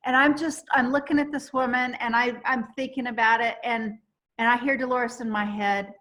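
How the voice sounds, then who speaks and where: A woman hosting a chat, telling a long story in an animated, rambling way with many restarts. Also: on the high side, normal speed. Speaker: host.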